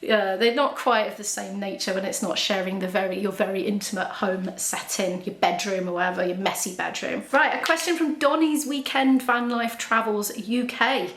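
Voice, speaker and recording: A chatty woman talks openly to camera at home, in a voice of middling pitch. She laughs easily and often trips over her words. The room gives her voice a roomy echo. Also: steady tone, moderate pace, hardly any pauses, fairly bright tone. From Wales. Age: 40s. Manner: chatty and candid, with frequent laughs and restarts. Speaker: YouTuber answering viewer questions. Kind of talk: casual chat.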